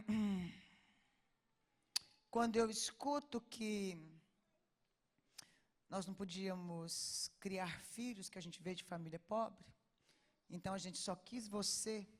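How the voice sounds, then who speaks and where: A Brazilian woman preaching with a mid-pitched voice. She tells a story dramatically and acts out every line of dialogue. Her voice drops to a hush and then rises to near shouting. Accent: Brazilian Portuguese. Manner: dramatic storytelling, acting out dialogue, swings from hushed to loud. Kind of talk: sermon storytelling.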